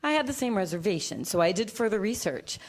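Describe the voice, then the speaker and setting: A woman's voice: medium pitch, big pitch swings, fast. A woman playing a prim, pedantic scholar of Greek culture in a staged comedy reading, speaking formally and precisely. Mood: matter-of-fact.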